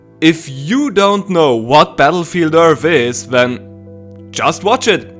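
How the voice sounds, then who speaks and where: Music plays in the background as the speaker, with a non-native accent, talks at a very slow pace with very wide pitch swings. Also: man. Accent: noticeable non-native. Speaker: movie retrospective video creator. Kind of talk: casual commentary narration.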